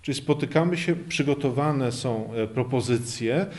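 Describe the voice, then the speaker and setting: Guy from kashubia explaining language stuff, normal middle voice, lots of little uhs, keeps it lively. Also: medium pitch, measured pace. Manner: lively explainer with frequent hesitation fillers. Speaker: poet and Kashubian language activist. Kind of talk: explanatory interview answer.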